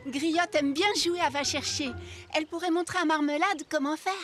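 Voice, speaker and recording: A woman's voice: high voice, steady tone, moderate pace, fairly bright tone. A woman voicing a friendly, helpful, encouraging young girl in a dubbed children's cartoon. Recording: music behind the voice.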